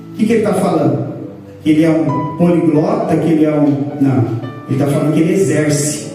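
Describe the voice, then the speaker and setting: A Brazilian man with a high, dark and mellow voice teaches scripture to his church, explaining each point and lifting his pitch to stress it. He sounds echoey and distant, as if caught by a microphone across a large hall. Soft music hums faintly underneath. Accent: Brazilian Portuguese. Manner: explanatory, rises in pitch to stress points, addresses congregation as brothers. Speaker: pastor teaching a church class. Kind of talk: teaching sermon.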